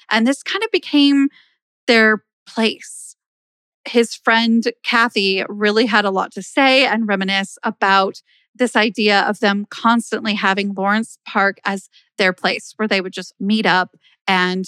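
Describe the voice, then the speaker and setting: A woman's voice: medium pitch, fairly bright tone, smooth, no room sound. A woman podcast host, narrating a true crime case in a conversational storytelling way.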